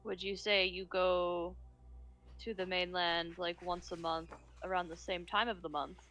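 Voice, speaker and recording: A woman's voice: fairly low pitch, flat delivery, measured pace, fairly bright tone. A woman player questioning a character in a tabletop game, coy and probing.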